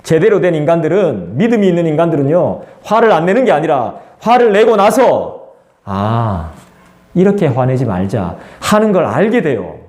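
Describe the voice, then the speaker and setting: This pastor speaks a little fast in a sing-song voice that sits on the high side, with a darkish tone. Preaching in an echoey church sanctuary, he keeps it conversational and imitates the people he quotes.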